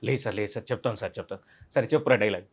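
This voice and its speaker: A man's voice: fairly low pitch, very fast, husky. Guy w telling a story from a film set, acts out everyone's lines. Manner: animated, acts out others' lines in quotes. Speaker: actor guest. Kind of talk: interview storytelling.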